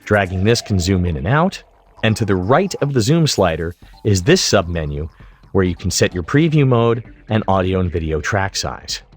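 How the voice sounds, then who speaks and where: A middle-aged man giving scripted tutorial narration in a deliberate, emphatic way. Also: low voice, very animated, husky, faint music behind. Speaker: software tutorial instructor.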